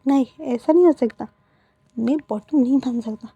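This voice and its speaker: Affectionate young male lover, soft coaxing pleas, warm tone; a woman narrator voices him. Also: high voice, normal speed, husky, no room sound, highs cut off. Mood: doting.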